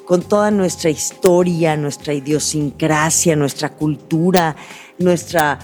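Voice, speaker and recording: A woman's voice: low voice, takes it slowly, darkish tone, faint music behind. A Mexican woman hosting a radio show, talking in a chatty, rambling way, correcting herself as she goes and stressing her points with feeling. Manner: emphatic, heartfelt. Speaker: radio host. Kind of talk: casual radio monologue.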